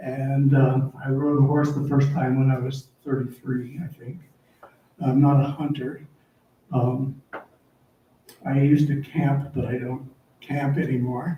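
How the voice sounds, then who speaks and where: Soft-spoken and somewhat breathy, a man with a fairly high pitch and a dark, mellow tone talks in a flat monotone at a fairly slow pace, leaving long, frequent pauses. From Wyoming. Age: 70s. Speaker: visual artist. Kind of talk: artist talk. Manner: halting.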